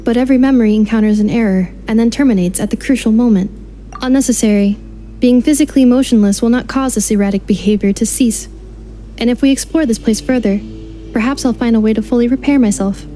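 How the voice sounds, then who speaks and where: Woman as a mellow, formal female robot. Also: on the high side, faint music behind, natural voice. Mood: matter-of-fact. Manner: formal, measured, clinical phrasing. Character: polite female robot, calm, literal and dutiful. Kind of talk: video game voice acting.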